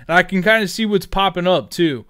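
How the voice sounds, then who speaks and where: Casual man with a clear, higher voice. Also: fairly quick, a bit bright. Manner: informal, rambling, thinking aloud while typing. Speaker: gaming content creator. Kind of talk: casual screen-recorded tutorial narration. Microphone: headset.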